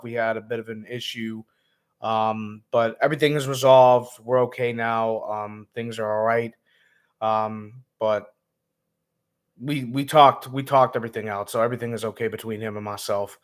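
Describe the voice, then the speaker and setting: A man who is hoarse and raspy, hosting a laid-back gaming vlog livestream with lots of ums, talking to viewers as man and bro. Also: mid-range voice. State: hoarse, lost voice. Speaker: gaming vlogger host. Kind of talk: casual livestream chat.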